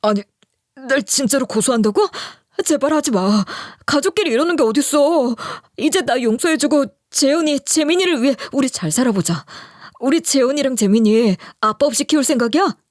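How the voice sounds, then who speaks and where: A woman's voice: high voice, animated, normal speed, dry recording, studio quality, pitched above the performer's own voice. A woman voicing a cheating middle-aged husband who stammers and begs his wife. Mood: begging. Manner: stammering, begging.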